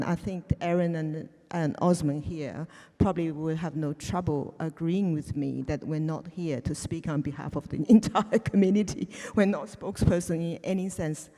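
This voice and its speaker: A woman's voice: sits low, normal speed, mellow. Hesitant woman in an echoey hall. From China. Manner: hesitant, many restarts and fillers. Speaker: panel speaker, researcher. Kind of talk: panel discussion.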